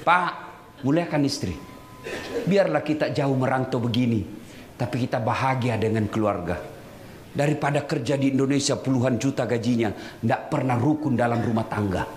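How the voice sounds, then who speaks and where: A man's voice: medium pitch, moderate pace, a little mellow. A man preaching a humorous sermon to a live audience, teasing and addressing listeners directly. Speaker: Islamic preacher. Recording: echoey hall with crowd noise.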